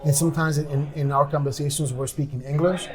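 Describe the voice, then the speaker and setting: A man's voice: on the high side, steady tone, fairly quick. A man with a Latino and East Coast American accent whose first language is Spanish, talking earnestly as a podcast guest, with many fillers and restarts. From New York. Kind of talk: casual interview talk.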